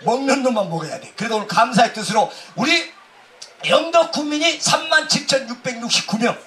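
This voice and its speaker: A man doing loud, brash stage comedy outdoors, heckling the crowd through a handheld mic. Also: very high voice, animated, brisk. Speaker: pumba street performer. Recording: distant outdoor PA with noise.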